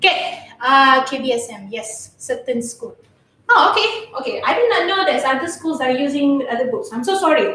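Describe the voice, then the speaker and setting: A woman's high, raised, projected voice with very wide pitch swings at a moderate pace. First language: Malay. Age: 20s. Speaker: English tutor. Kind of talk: online live class. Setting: live stream. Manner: casual, halting.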